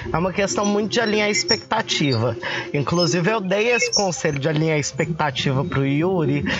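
High-pitched male speech at a fairly quick pace, with lively intonation, very even loudness and noticeable background noise. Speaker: podcast host. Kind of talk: casual chat. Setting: small room with odd echo. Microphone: echo.

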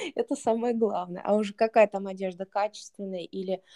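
A woman speaks at a moderate pace with a medium pitch and a dark, mellow tone. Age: 20s. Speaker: plus-size stylist and blogger. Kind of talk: casual interview chat.

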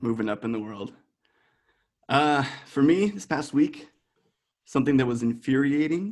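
A man's fairly high voice at a moderate pace, lively in intonation, with long, frequent pauses. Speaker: podcast host. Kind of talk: casual chat.

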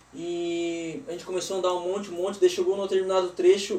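Against noticeable background noise, a man's high-pitched voice moves through very wide pitch swings. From Braço do Norte, Santa Catarina, Brazil. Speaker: podcast guest storyteller. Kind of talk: casual chat.

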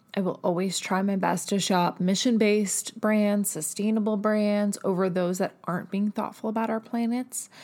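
Animated tone at a moderate pace, loudness very even, in a very clean recording with a silent background. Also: woman, medium pitch for a woman. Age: 30s. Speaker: podcast host, makeup artist and writer. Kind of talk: solo podcast monologue, casual and chatty. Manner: animated, chatty.

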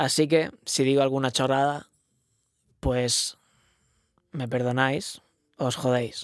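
The delivery is very slow, with long, frequent pauses. Intonation stays monotone and flat. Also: man, medium pitch for a man. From Ibiza. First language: Catalan (Ibicenco dialect) (speaking Spanish). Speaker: podcaster and musician. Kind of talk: solo casual monologue. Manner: halting, many filler sounds.

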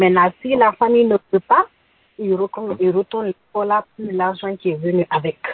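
A woman uses an ordinary speaking voice at medium pitch. She goes at a fairly slow pace with fairly even intonation. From Senegal, Tambacounda. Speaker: guest speaking on customary marriage. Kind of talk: radio interview.

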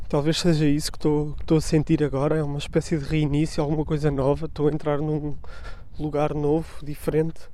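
A man with a European Portuguese accent talks at a fairly quick pace and a fairly high pitch, in monotone, flat intonation. His tone is dark and mellow, with audible room echo around it. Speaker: podcast host and producer. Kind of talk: personal audio diary monologue. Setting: walking or travelling to work with a portable recorder. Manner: unscripted, conversational.

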